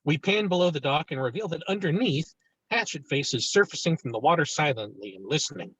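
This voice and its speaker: A man's voice: fairly high pitch, lively intonation, brisk, fairly bright tone, husky, poor audio. A man reading stage directions as narrator in a virtual table read of a film script.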